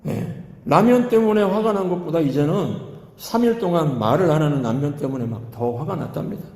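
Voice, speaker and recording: A man preaching in a church hall, his voice pitched a bit high yet dark and mellow in tone. He asks the congregation questions and acts out the people in his story. The room is echoey, with a long reverb trailing each phrase. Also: expressive, brisk. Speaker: pastor. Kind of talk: sermon storytelling. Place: church sanctuary.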